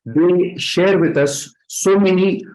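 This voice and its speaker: A man's voice: sits high, slow pace, darkish tone, poor audio. A man with a South Indian accent giving a motivational training talk as a direct-selling leader, putting questions to his listeners and repeating words for emphasis. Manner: rhetorical questions to listeners, emphatic word repetition.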